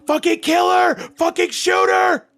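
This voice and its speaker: A man voicing a panicked, bloodthirsty female marine in a tabletop game, shouting frantically. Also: extremely high pitch, flat delivery, a little slow, pitched above the performer's own voice, heavily acted. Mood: frantic, commanding.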